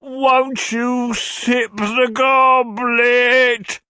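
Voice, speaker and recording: A man voicing an eccentric, lovesick old gentleman in a storybook reading, drawing out his flowery words in a swooping, theatrical way. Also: extremely high pitch, little pitch movement, clean tone, no echo, studio quality, pitched above the performer's own voice, full character voice. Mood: theatrically adoring. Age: over 60. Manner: drawn-out, swooping, flowery declamation.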